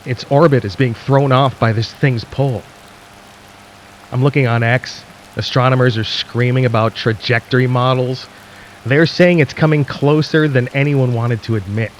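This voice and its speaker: An anxious radio host played by a man broadcasts through an apocalypse in a radio drama. He addresses listeners directly in an ominous, halting manner, in a mid-pitched voice over a faint hissy background. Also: steady tone, natural voice. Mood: grim, uneasy.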